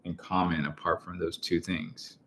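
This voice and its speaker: Young man, very deep voice, relaxed co-host, casual chat. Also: normal speed, a little hiss or hum. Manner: relaxed and easygoing, thinks aloud with "I mean" and "like". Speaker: co-host, partner of the host.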